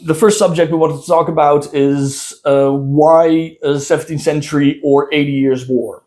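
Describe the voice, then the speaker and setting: A man from the southern Netherlands, a Dutch native speaker, co-hosts a casual podcast chat. His voice sits a little high for a man. He talks haltingly, with many filler sounds and restarts. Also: steady tone, mellow. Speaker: podcast co-host.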